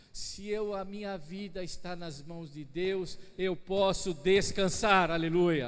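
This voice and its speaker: The words come at a very slow pace, with audible echo from the room. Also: man. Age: 60s. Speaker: pastor. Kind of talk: sermon. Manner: animated.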